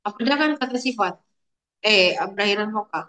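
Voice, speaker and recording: A woman's voice: medium pitch, a little fast, pushed and bright. A young adult woman teaching an online language lesson, chatty and playful, calling on her students by name.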